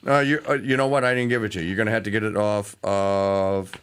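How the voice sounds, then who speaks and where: A middle-aged man from Louisiana, hosting a casual talk radio show, rambling and digressive with lots of fillers and restarts. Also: fast talker. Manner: animated pitch swings.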